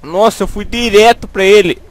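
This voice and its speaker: A young Brazilian gaming YouTuber with a Brazilian Portuguese accent speaks into a headset at normal speed in a high-pitched voice while playing a horror game. His commentary is jumpy, full of swearing, and marked by panicky pleading.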